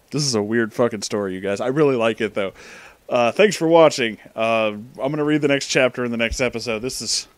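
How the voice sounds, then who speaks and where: A man's voice: medium pitch, dry recording. A man hosting a casual comic read-aloud, informal and amused, with asides to the listener. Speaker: reader and host of a story-reading show.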